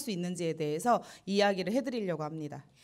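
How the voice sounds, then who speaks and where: A woman speaks at a very fast pace with lively intonation. The background is quiet. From South Korea. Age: 30s. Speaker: motivational speaker at sales seminar; speaker. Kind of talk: seminar talk with interpreter. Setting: stage with audience. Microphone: handheld.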